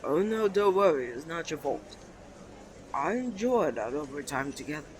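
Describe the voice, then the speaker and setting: A man's voice: on the high side, very animated, normal speed. Guy acting as a cocky flirty twin brother, asmr roleplay, voice swings around a lot, city noise behind. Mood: flirtatious. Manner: suave, taunting, theatrical.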